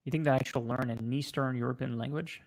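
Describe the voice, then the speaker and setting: A man with a French accent, a native French speaker, chatting casually on a livestream and answering viewers in a halting way, often pausing mid-sentence. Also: mid-range voice, fairly even intonation, a little mellow. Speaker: livestream host.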